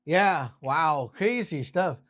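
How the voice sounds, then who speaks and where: A Taoist master from Hong Kong talks in casual explainer fashion, with a clear Hong Kong accent and a Cantonese speaker's English. The delivery is loose and conversational, often checking in with the listener mid-thought. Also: medium pitch, animated, slow pace, fairly bright tone. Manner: chatty and loose, often asks "right?".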